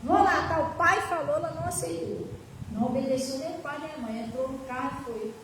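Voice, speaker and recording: A woman's voice: sits high, brisk. A woman pastor preaching a sermon, telling a story emphatically and turning to the congregation. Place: church hall. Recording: echoey hall from far off, faint noise.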